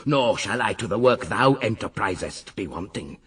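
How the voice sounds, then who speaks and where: An actor playing Death, a grim ravenous monster of hell, speaking menacing, savoring verse in a rasping husky voice for radio drama. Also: male voice, on the low side, lively intonation, normal speed, fairly bright tone, full character voice. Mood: hungry, menacing.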